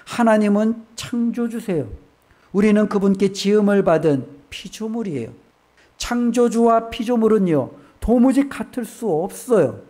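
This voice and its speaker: A man's voice: high voice, expressive, measured pace, mellow. A male pastor preaching a sermon in a church, delivering emphatic points with frequent rhetorical questions. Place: church sanctuary.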